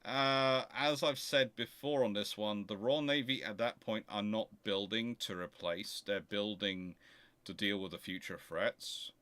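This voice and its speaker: Guy hosting a casual q&a, lowish bright forceful voice, keeps restarting sentences, dry close sound. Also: unhurried, clean tone, no room sound. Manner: emphatic, animated argumentative explaining with self-corrections. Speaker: host of a naval history question show. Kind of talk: casual livestream Q&A with rambling explanation.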